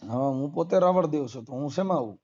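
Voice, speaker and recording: A Gujarati-accented man argues fiercely on the phone, his fairly high, darkish voice fast and expressive. He's combative and relentless, stacking up rhetorical questions to press his case. The audio is muffled and lo-fi.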